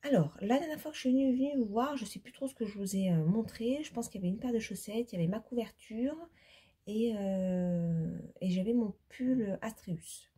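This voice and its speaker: Tired, husky-voiced woman vlogger. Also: on the high side, moderate pace, warm tone. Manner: rambling, many fillers and self-corrections. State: tired, recovering from laryngitis, still congested. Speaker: knitting vlogger. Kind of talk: casual chat to camera.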